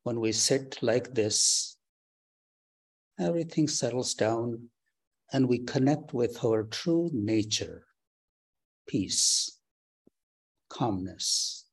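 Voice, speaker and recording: A man leading a guided breathing meditation, giving slow, calm, soft instructions with long pauses. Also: mid-range voice, husky. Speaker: meditation teacher. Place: temple or meditation hall.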